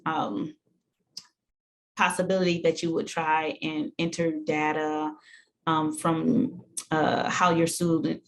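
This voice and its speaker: Low-voiced woman presenting a webinar. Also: slight background noise. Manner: halting, frequent ums.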